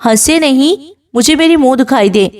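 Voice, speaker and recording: A woman's voice: high-pitched, lively intonation, darkish tone, pitched above the performer's own voice. A woman voicing a tearful, sulky young bride who pleads and pouts. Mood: sulky shy. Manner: pouting, teary pleading.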